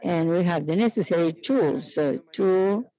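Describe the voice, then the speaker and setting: A man giving live interpreted conference speech in halting, piecemeal phrases with frequent hesitations. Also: high voice, dark tone, poor audio.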